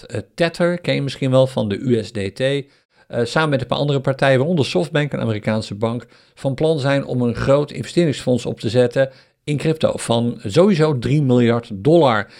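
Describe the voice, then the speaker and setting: A man hosting a solo crypto podcast in a chatty style, often pausing with fillers. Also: mid-range voice, creaky, darkish tone. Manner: chatty, hesitant with frequent fillers. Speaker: podcast host.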